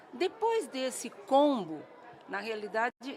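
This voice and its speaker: Against crowd noise in the background, a woman speaks at a high pitch with very wide pitch swings. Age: 60s. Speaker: cancer patient in remission. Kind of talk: testimony. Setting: congress, live podcast.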